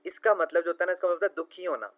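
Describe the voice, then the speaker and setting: A male tutor walks through quiz answers in a screen-recorded lesson. His voice sits a little higher than most men's. He explains patiently, slows right down to spell words letter by letter, and speaks close to a desk mic. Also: fairly bright tone, poor audio.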